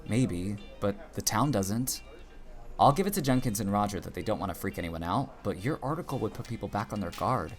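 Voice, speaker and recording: An actor playing a teasing, supportive small-town barista in an audio drama, expressive and playful. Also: deep voice, brisk, faint music behind. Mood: thoughtful, urging. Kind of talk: naturalistic audio drama acting.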